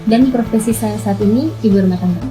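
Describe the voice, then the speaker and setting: A woman's voice: medium pitch, fast talker, warm tone, soft background music, rough recording. A woman in her twenties, a homemaker, speaking casually in an interview testimonial. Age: 20s.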